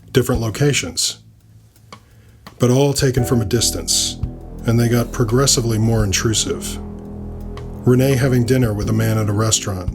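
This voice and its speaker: A male narrator reads first-person fiction in a dry, wry manner. His voice is mid-pitched, and music plays clearly behind him.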